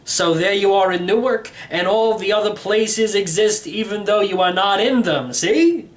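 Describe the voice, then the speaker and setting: A man's voice: high voice, normal speed, close to an everyday voice. Here is a man acting an eccentric elderly uncle from a children's storybook. He is brusque and emphatic, quizzing his listener like a self-appointed teacher and pressing each point home. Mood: quizzing, insistent. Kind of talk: storybook character reading.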